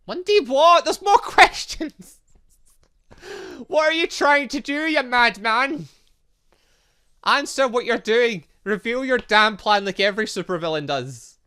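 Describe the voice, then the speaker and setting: A man giving let's play commentary on a game, excitable and reactive, reading dialogue aloud as he goes. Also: very high-pitched, unhurried, smooth. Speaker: gaming channel host.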